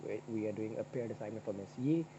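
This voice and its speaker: A man's voice: fairly low pitch, quick pace, dark tone. A young man from Pakistan, a university student, chatting casually and joking with his partner as he asks questions. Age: young adult. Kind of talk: casual paired discussion. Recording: dull lo-fi sound with clear insect noise.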